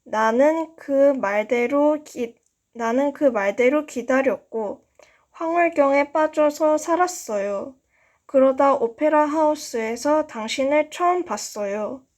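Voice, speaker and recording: A high-pitched woman reads a story aloud at an unhurried pace. She is an amateur narrator who takes care over each sentence. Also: darkish tone. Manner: slow, careful reading with stumbles. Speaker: amateur audiobook reader. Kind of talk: reading a novel aloud.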